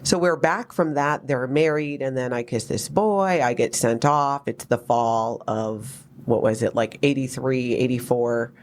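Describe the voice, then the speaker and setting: A woman in her fifties from Hawaii, hosting a podcast and telling her own life story in a candid, wry, animated way with lots of asides. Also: extremely low pitch, a little slow, few pauses. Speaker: podcast host. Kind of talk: personal storytelling chat.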